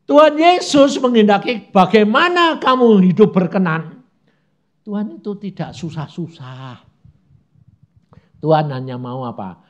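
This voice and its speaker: A man's voice: high voice, animated. A man preaching a conversational sermon, asking rhetorical questions and acting out little prayers and objections. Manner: acts out prayers and objections in quick asides.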